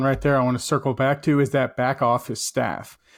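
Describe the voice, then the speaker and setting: A man with an American accent speaks at a fairly quick pace and fairly high pitch in a plain, everyday voice. The recording is very clean, with a silent background. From Central Florida. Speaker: podcast host. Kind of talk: casual interview.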